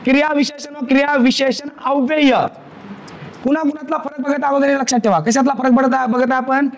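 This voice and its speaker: High-voiced man lecturing on grammar. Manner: asks the class questions and answers them himself; repeats key terms and example sentences. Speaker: teacher.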